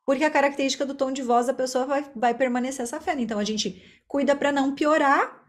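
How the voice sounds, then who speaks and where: A woman's voice: sits high, fairly even intonation, quick pace. A Brazilian woman speaking as an interview guest, a speech therapist explaining her work in a talkative, conversational way. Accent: Brazilian Portuguese.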